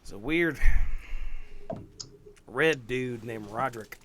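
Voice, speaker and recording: A man's voice: mid-range voice, slow pace, pushed and bright, slight background noise. A man chatting casually as a player in an improvised roleplaying game, with a hesitant, drawling delivery.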